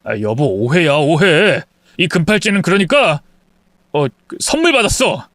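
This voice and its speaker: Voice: medium pitch, big pitch swings, measured pace, a bit bright, no echo, clean studio sound. A performer voicing a husband from a family of thieves who pleads with his wife in a wheedling way. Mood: pleading.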